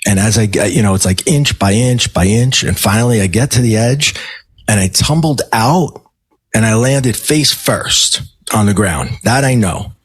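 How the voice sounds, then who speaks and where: Middle-aged guy on a podcast, husky and kinda low, stumbles and repeats himself a lot telling his story. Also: no echo. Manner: halting, repeats words and restarts sentences. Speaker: podcast guest, medium and life coach. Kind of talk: telling a personal story in conversation.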